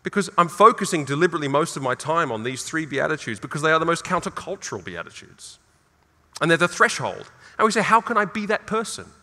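A middle-aged Australian man preaching a sermon, earnest and emphatic, jumping higher when he quotes scripture. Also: big pitch swings, quick pace, pushed and bright. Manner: earnest, emphatic, with sudden rises for quoted lines. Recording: reverberant hall.

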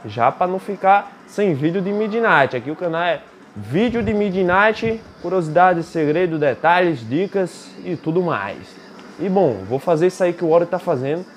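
A young Brazilian man with a Brazilian Portuguese accent, giving excitable gameplay commentary while racing and trash-talking the game. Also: sits high, normal speed, a little hiss or hum. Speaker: gaming YouTuber.

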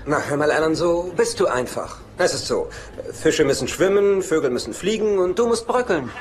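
A man's voice: a little high, expressive, moderate pace, lightly acted. An actor dubbing a German sitcom, playing a middle-aged womanizing brother who is smug, glib, sardonic and self-assured. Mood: smug, lecturing. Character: cocky womanizing brother, smug, teasing, worldly. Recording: TV soundtrack with clear background noise.

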